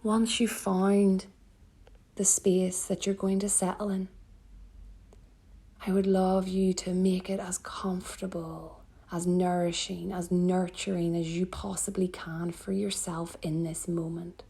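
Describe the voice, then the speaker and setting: A woman yoga teacher leading a guided relaxation meditation in a soft, breathy, soothing manner with gentle pauses. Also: on the low side, level tone.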